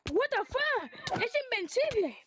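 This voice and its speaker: A person chattering excitedly in an improvised gaming roleplay with friends, full of exclamations, over online voice chat. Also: very high voice, slow, noisy background.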